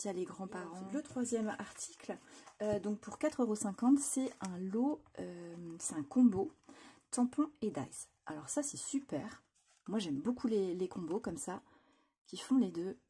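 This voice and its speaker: Lady showing off her craft haul, chatty, lots of euh's, mellow kinda husky voice. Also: mid-range voice. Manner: chatty, enthusiastic, frequent fillers and restarts. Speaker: craft channel host. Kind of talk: casual product haul presentation. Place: home craft room.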